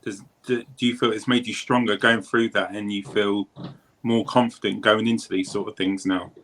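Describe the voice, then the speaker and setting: A man with a bright, crisp-edged voice hosts a casual interview. He questions in a conversational way, often circling back to put things another way. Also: on the low side, flat delivery, moderate pace, a little hiss or hum, rough recording. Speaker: host interviewing guests.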